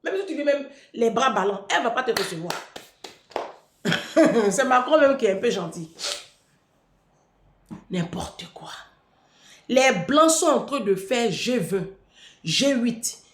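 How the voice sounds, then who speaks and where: Mocking woman, high, echoey. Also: expressive, slow, long pauses. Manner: taunting, repetitive, provocative. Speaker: vlogger. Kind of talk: mocking monologue to camera. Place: room in France. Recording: echoey room.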